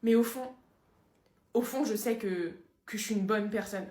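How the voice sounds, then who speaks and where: A woman's voice: medium pitch, normal speed, a little mellow, natural voice. Woman doing a whiny cheating boyfriend. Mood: self-pitying. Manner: whiny, self-justifying. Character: self-pitying cheating young boyfriend. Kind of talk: comedic sketch monologue. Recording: roomy echoey room.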